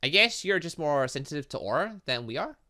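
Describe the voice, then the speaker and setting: An animated man hosts a video game playthrough in a bright, forceful voice pitched a little high. His delivery swings widely up and down as he reads on-screen dialogue aloud and throws in playful asides. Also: fairly quick. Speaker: gaming channel host. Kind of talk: let's play commentary, reading visual novel dialogue aloud.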